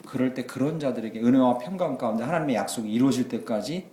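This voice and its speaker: A man preaching a sermon as pastor, moving between quiet asides and loud exclamations. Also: medium pitch, quick pace. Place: church sanctuary. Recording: echoey church hall.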